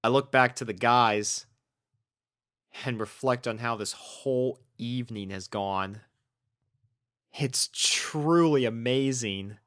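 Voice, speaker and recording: A man's voice: medium pitch, pushed and bright. A man reading a first-person story as scripted narration, in an earnest, sentimental manner. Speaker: fan fiction reader.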